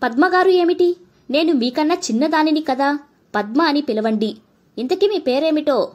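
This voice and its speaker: A woman voicing a young college girl in an audiobook story, lively and teasing. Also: sits high, fairly quick, dull audio, voice pushed up. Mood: playful.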